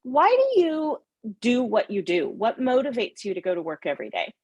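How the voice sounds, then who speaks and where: A middle-aged woman moderating a panel in a friendly, brisk, polite way on a video call. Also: on the high side, huge pitch swings, darkish tone, husky, no room sound.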